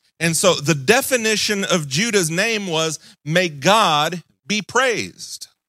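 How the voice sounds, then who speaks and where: Delivered at a very slow pace, the voice has a bright, sharp tone and lively intonation. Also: man. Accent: Southern US. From US South, Mississippi. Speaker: pastor. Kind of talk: sermon. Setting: church.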